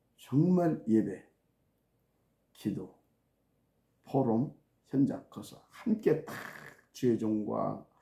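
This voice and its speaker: A man speaks very slowly, with long, frequent pauses, at a medium pitch. His dark, mellow tone carries vocal fry and very wide pitch swings. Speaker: pastor. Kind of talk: sermon. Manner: animated.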